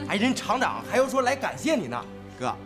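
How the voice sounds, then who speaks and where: A man's voice: very high voice, wildly swooping pitch, moderate pace, full character voice. An actor playing a cheerful young rural man, chatty and boastful. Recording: TV drama audio with music underneath.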